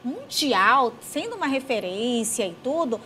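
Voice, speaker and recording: Woman TV host, bright and lively, pitch swinging widely, encouraging interviewer. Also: a little slow. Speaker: talk show host. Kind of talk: TV talk show interview. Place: TV studio set.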